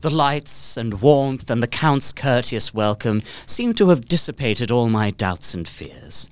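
A man's voice: mid-range voice, very animated, unhurried, smooth, no room sound. An actor playing an earnest young solicitor, narrating his journey formally in a dramatised Gothic story. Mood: composed, relieved. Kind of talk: dramatic first-person literary narration.

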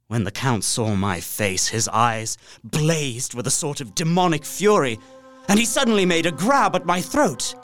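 A man's voice: on the high side, lively intonation, unhurried, fairly bright tone, soft background music. An actor playing a polite, observant and uneasy young solicitor, narrating his journal earnestly and precisely in a gothic audio drama. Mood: alarmed. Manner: precise, earnest, theatrical storytelling.

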